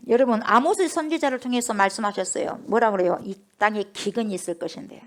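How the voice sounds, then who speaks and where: A woman's voice: a little high, brisk. A middle-aged woman pastor, preaching a sermon and firing rhetorical questions at the congregation.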